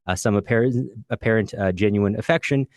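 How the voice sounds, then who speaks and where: A man with a fairly low voice talks through literature as a podcast co-host. His delivery is unscripted and discursive, earnest in tone, with halting self-corrections. The sound is very dry, with no room around it. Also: no echo.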